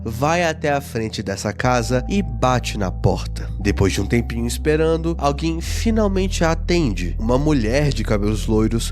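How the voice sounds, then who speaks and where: Animated high-voiced Brazilian man telling stories. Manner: colloquial, dramatic storyteller. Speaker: video narrator. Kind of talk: animated storytelling narration.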